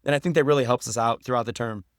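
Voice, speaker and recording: Fast-talking middle-aged American man, chatty. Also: medium pitch, steady tone, no echo, clean studio sound. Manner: chatty storyteller, colloquial. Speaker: podcast guest, writer and professor. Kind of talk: casual podcast conversation.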